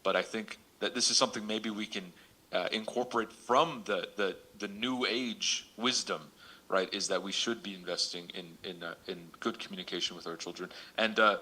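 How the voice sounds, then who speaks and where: A man moderating a panel discussion unscripted, speaking haltingly with many hesitations and repeated words. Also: on the low side, bright, forceful tone, poor audio.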